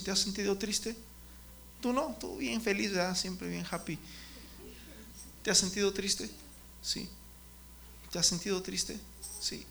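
A man's voice: high voice, bright, forceful tone. A man giving a children's sermon, often stopping to question the kids by name. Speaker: children's ministry preacher.

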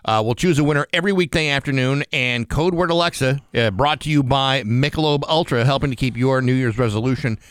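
A man's voice: medium pitch, fairly quick, few pauses, a bit bright, clear, resonant tone, no echo. An American man hosting a radio show in a casual, sardonic conversational style, close on a studio microphone.

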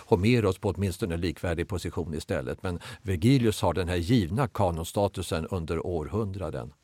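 A man's voice: deep voice, darkish tone, no echo. A man speaking as an expert guest in a podcast discussion, lecturing with frequent hesitations.

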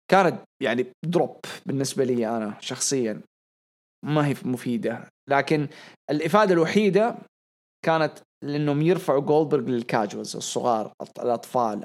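A young man, co-hosting a podcast in casual commentary, excitable and repeating phrases for emphasis. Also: mid-range voice. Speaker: podcast co-host.

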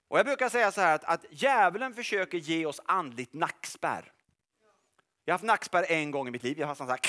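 A middle-aged man preaching a sermon in an animated, jokey way, often checking that his listeners follow along. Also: high-pitched. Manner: animated and jokey, asks the audience "are you with me?".

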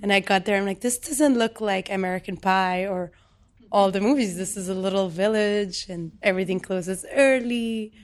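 Woman from Lebanon, 30s, poet guest; soft-spoken, thoughtful, pauses often. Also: medium pitch. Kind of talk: reflective interview talk.

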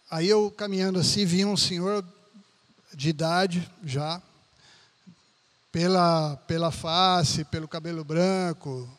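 A man preaching a conversational sermon as pastor, often tagging his sentences with questions. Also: fairly high pitch.

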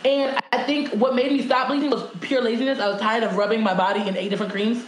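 Fast-talking woman joking in an echoey room. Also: on the high side. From Nigeria. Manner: animated, joking, quick banter. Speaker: co-host. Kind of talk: casual chat. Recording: roomy echo, faint noise.

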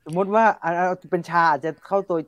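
A man with a somewhat high voice trading wry jokes and polite questions in casual talk. He is recorded close and dry. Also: fast, a bit bright, dry recording, dull audio. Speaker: co-host. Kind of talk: casual chat.

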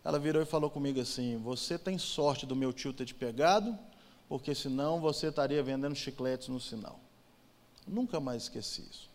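A man's voice: medium pitch, fairly quick. Emotional testimony, man in a reverberant hall. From Brazil. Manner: emotional storytelling, swings from loud to hushed. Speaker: church testimony speaker. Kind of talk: personal testimony in church.

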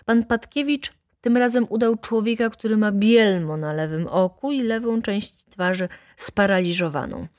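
A woman's voice: medium pitch, normal speed, hardly any pauses, darkish tone, dry recording, clean studio sound. Woman reading a classic novel aloud. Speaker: audiobook reader. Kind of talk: audiobook narration of a classic novel.

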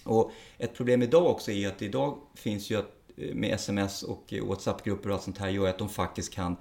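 A man's voice: on the low side, fairly even intonation, gravelly, a little mellow. A middle-aged man, a police officer, speaking frankly and bluntly in a casual interview, with the odd curse word. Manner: frank and blunt, plain-spoken with occasional swearing.

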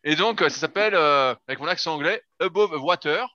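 A man's voice: on the high side, animated, fast talker, sharp tone, smooth. A man co-hosting a sports podcast, giving blunt, grumbling opinions in casual chat. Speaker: podcast co-host. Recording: dry, dull lo-fi sound.

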